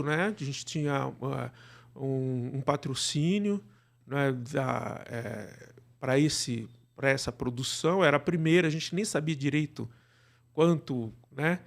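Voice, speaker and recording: Brazilian man, higher-pitched with some creak. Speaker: interview guest, radio drama producer. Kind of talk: conversational interview.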